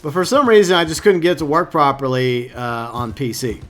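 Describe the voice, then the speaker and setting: A man's voice: medium pitch, brisk. A man from Texas, casually chatting to viewers on a live game stream and reading their comments aloud.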